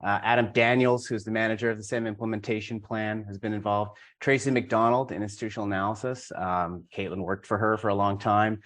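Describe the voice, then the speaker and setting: A middle-aged university administrator, a man, giving a measured, matter-of-fact conference talk. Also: fairly low pitch, fairly even intonation, a bit bright.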